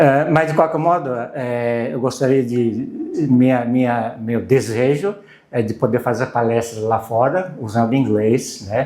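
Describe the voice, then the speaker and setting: A man speaks at a fairly slow pace with a medium pitch and ordinary pitch variation, over noticeable background noise. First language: Japanese (speaking Portuguese). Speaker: professor. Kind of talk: casual chat. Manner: halting.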